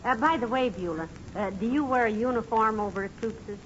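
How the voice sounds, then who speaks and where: An actress playing a patient, sensible wife who gently chides, in 1940s radio comedy, on a hissy old broadcast. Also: female voice, a little high, brisk, lo-fi sound, close to an everyday voice. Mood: chiding. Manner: gently chiding, dry.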